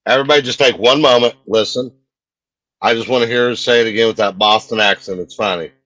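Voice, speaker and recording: A man's voice: medium pitch, fast talker, fairly bright tone, no echo, highs cut off. A man chatting casually as co-host of a talk show. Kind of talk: casual chat.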